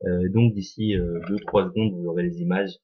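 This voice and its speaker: Hesitant, husky young man hosting a vlog. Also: deep voice, steady tone, highs cut off. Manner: hesitant, full of "euh" pauses. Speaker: vlog host. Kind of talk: casual film commentary.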